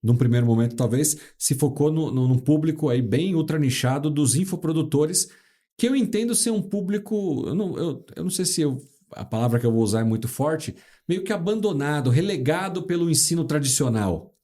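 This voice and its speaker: A man's voice: a little high, lively intonation, a little fast, warm tone. A man hosting an interview podcast, enthusiastically affirming his guest and leading him with questions. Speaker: podcast host.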